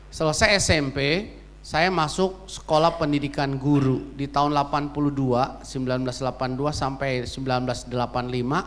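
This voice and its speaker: Audible room echo surrounds a man talking at a fairly quick pace in a fairly high voice. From Indonesia, Jakarta. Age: 60s. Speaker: pastor. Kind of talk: sermon. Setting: church. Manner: animated, humorous storytelling.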